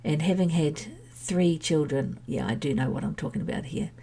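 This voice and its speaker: A woman's voice: low voice, moderate pace, gravelly, warm tone, slightly rough. A middle-aged woman with a head cold, talking candidly and chattily in her own personal podcast monologue. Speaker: podcast host sharing her health journey.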